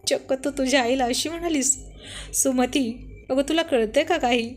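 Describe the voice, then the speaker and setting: A woman's voice: sits high, moderate pace, lightly acted. A woman reading the lines of a teasing young husband in a storybook, in her own voice with playful, mocking scolding. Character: teasing young husband, sharp-tongued and amused.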